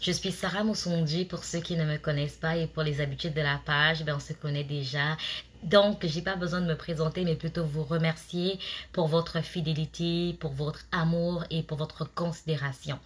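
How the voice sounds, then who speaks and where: A woman in her thirties talks straight to her followers in a low, husky voice, offering tips from her own working life. Her delivery is relaxed and chatty, full of fillers and little restarts. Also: moderate pace. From immigrant to Canada. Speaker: vlogger giving job interview tips. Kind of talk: casual advice talk to camera.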